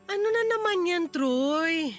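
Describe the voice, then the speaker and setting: A woman's voice: very high-pitched, lively intonation, measured pace, soft background music. A woman playing a young wife in a radio drama, heated and scolding. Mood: angry. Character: angry young wife, sharp and confrontational.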